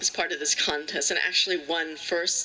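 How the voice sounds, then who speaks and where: A woman speaks over noticeable background noise. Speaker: poet. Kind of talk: poetry reading. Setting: live venue.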